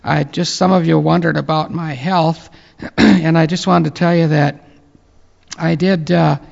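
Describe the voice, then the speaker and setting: Gravelly man in his late fifties praying. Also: fairly high pitch, fairly even intonation, darkish tone. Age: 50s. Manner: earnest, reverent, halting with fillers. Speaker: pastor. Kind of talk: closing remarks and prayer. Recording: muffled with long reverb.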